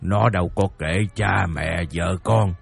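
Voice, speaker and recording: A stubborn old father speaks in a low, gravelly, husky voice. He answers gruffly and dismissively, in the manner of a radio play, with faint music playing underneath. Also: a little slow, exaggerated voice. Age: older. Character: stern, grudging old man, proud father. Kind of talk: radio drama acting.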